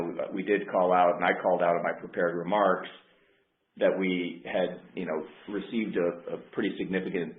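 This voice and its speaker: A man speaking as a company executive, answering questions on an earnings call in a measured, careful way. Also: deep voice. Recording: roomy, dull conference line.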